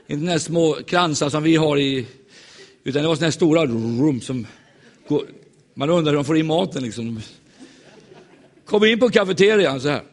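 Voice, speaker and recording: A man preaches in a church with a slightly raised pitch. He tells his stories in a joking, animated way and acts out the voices of the people in them. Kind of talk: humorous sermon storytelling.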